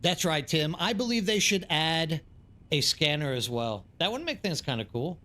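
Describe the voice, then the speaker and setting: Man, American accent, slightly higher pitch, casual livestream chat, rambling, informal gamer talk. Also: very animated, normal speed, pushed and bright. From East Texas, United States. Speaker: live streamer. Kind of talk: casual chat with livestream viewers while gaming.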